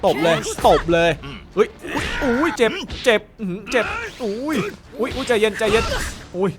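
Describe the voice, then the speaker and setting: A man, commentating a fighting game with excitement, yelling and repeating words as he plays. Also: sits high, moderate pace. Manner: animated, yells and repeats words during fights. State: slight sore throat. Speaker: gameplay commentator. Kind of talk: excited Let's Play commentary. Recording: game music playing loudly behind.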